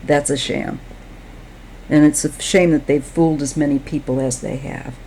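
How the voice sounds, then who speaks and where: A woman giving a tarot reading, speaking in a slow, halting, reflective way while she is losing her voice. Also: low-pitched, fairly even intonation, dark tone, slight background noise, rough recording. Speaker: tarot reader.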